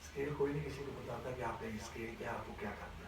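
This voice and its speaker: A man's voice: mid-range voice, heavy reverb, distant mic, slight background noise, rough recording. A man teaching a class on Quran recitation, explaining step by step and often checking that his students follow. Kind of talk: classroom voice lesson.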